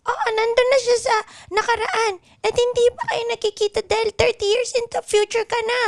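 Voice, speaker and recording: A little dwarf royal with an extremely high, squeaky voice. The character is whiny and grumbling, bossing humans about in a comic improvised radio drama. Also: female voice, fairly even intonation, moderate pace, creaky. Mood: scolding. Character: squeaky grumbling dwarf queen and her dwarf companion.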